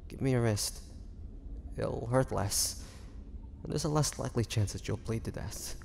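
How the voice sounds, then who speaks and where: A man voicing a starving, tormented vampire in a dramatic audio roleplay, speaking haltingly with breathy sighs. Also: fairly low pitch, a little mellow. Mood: reluctant, resigned. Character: starving young male vampire, tormented, pleading, fighting bloodthirst. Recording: long echoing reverb, faint background noise.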